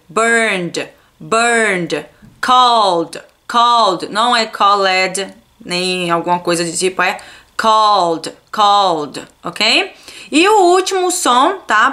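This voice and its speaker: A young woman from Brazil gives a casual video lesson on English pronunciation. Her voice is bright and fairly high, and she talks at an unhurried pace. She says each word several times for learners and keeps checking in with them. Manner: repeats words slowly for learners, checks in with "tá?". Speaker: English teacher.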